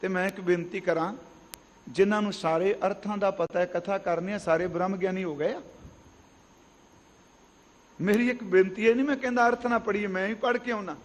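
Man, high voice, Sikh katha sermon, earnest and explanatory, big gurdwara hall echo. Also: fairly quick, pauses often. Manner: earnest, explanatory, asks rhetorical questions. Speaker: katha preacher. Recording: long hall reverb.

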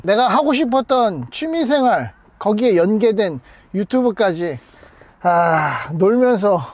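His voice sits high with a darkish tone, and the recording has no room sound. He's a car-collecting YouTuber in his thirties, talking casually and with confidence to his vlog camera, mostly in a car and occasionally outdoors.

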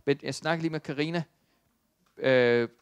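A man's voice: on the high side, smooth. A man preaching a sermon in a church, talking in an earnest, impassioned way with some hesitant fillers. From Denmark.

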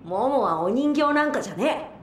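A woman playing a brash, protective young boy in a Japanese audio drama, speaking in a rough, blunt boyish way. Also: high-pitched, animated, moderate pace, echoey room, a little hiss or hum. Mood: reassuring, earnest.

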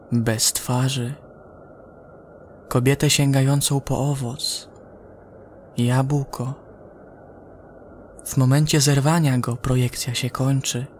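A man narrating a scripted science-fiction horror story in a measured way, with dramatic pauses. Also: medium pitch, a little hiss or hum.

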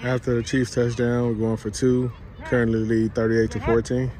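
A man's voice: medium pitch, little pitch movement, moderate pace, heavy background noise. A man giving brief, matter-of-fact play-by-play calls of downs and score. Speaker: play-by-play game announcer. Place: outdoor football game. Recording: loud crowd, outdoor field.

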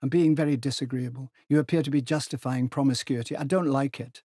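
A man acting a prim, affronted literary gentleman, pitched up. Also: fairly even intonation, quick pace, breathy edge, dry recording, studio quality, lightly acted. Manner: stiff, hesitant, affected.

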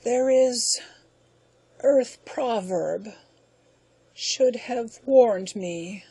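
A woman reading the part of a dying alien overlord, speaking slowly in a gasping, bitter way. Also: on the high side, mellow, husky, no room sound, pitched above the performer's own voice, heavily acted.

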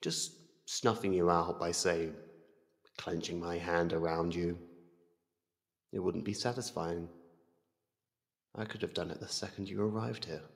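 A man voicing an ancient void entity that calmly toys with its prey in an ASMR roleplay, slow, deliberate and condescending. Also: low voice, creaky, pitched below the performer's own voice. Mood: quietly menacing. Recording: cavernous long reverb.

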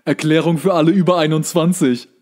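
A man's voice: fairly high pitch, steady tone, brisk, a little mellow. A man co-hosting in casual comedic banter, reading things out and reacting with mock exasperation and swearing. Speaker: podcast co-host reading out a list.

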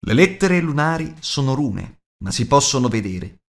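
Casting: wise elf lore master, read by a man, grave and measured, fantasy audiobook. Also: mid-range voice, sing-song, creaky, voice pushed up. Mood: grave, explanatory.

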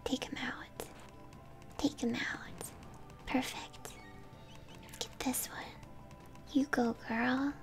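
A young woman streams a game in a soft ASMR whisper. Her delivery is unhurried and encouraging as she chats to viewers. Video game music plays behind her. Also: sits high, fairly even intonation. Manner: encouraging, chatty, addressing viewers. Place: indoor room at home.

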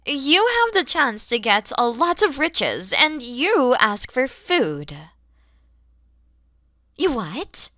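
A woman playing a kind, proud, mature dragon mother in an ASMR roleplay, with breathy delivery that often softens toward whispers and theatrical pauses. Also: sits high, very animated, no room sound, clean studio sound, exaggerated voice. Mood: surprised, curious.

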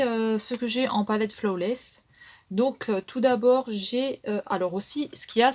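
A beauty vlogger with a French accent casually reviews makeup palettes, chatty and packing her speech with fillers and "donc." Her voice is a little high with a darkish tone.

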